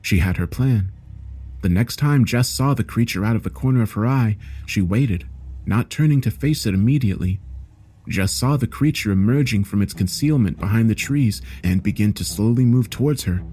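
A man reading a scripted horror story in a measured, serious way, as a storyteller. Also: on the low side, mellow, slightly rough. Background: background music.

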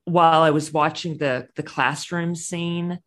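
A woman co-hosting a casual movie podcast, chatting and telling stories with lots of enthusiasm. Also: measured pace. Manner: animated storyteller, puts on high squeaky voices when quoting. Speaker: podcast co-host. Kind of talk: casual chat.

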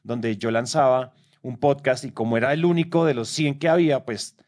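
A man co-hosting a business podcast, talking in a relaxed conversational way. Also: medium pitch, normal speed. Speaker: podcast co-host. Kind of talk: casual podcast chat.

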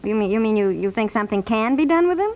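A woman's voice: on the high side, animated, fast, darkish tone. A woman playing a fretful, chatty married housewife in an American accent, flustered and repeating herself, in 1950s radio comedy style. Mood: flustered, incredulous. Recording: vintage 1950s radio broadcast.

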